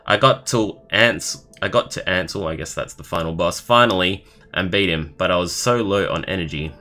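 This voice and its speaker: A young man live streaming, reading a story aloud in a halting way and adding casual comments of his own. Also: low voice, sharp tone. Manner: halting, stumbling over words while reading. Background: background music.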